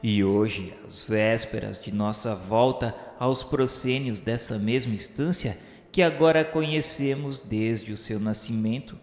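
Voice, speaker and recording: A Brazilian man playing a repentant spirit who narrates a radio serial, solemn, fervent and awestruck, declaiming in grand literary style with dramatic pauses. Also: fairly low pitch. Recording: echoey hall reverb over music. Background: music.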